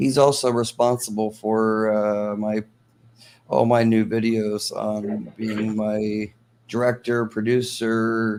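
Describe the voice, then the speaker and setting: Mumbling at a very slow pace, a man talks with a fairly low pitch and monotone, flat intonation. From Ohio, US Midwest. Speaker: business credit coach and channel host. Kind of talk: live stream Q&A chat. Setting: live video stream. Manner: mumbled, halting.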